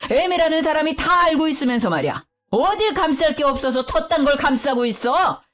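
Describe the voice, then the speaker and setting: A woman's voice: on the low side, expressive, unhurried, a little mellow. Woman doing a stern older father-in-law. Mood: furious.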